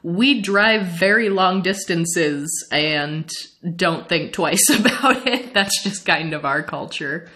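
A young adult woman from the Midwestern United States, chatting casually as a podcast co-host, animated and laughing often. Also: fairly low pitch, takes it slowly. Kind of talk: casual chat recapping an anime series.

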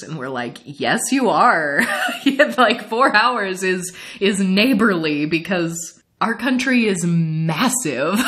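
A young adult woman from the Midwestern United States, chatting casually as a podcast co-host, animated and laughing often. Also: medium pitch. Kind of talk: casual chat recapping an anime series.

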